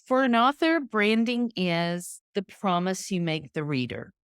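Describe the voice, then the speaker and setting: A woman's voice: mid-range voice, lively intonation, a little slow, clean tone, no echo, clean studio sound. A woman from Texas, a guest author chatting casually in an interview over a video call.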